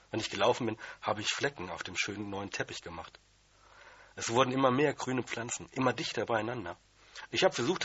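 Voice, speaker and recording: A man's voice: on the low side, a bit bright, breathy edge, muffled recording. A man reading a children's story aloud in the first person, in a plain, childlike manner. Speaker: audiobook reader.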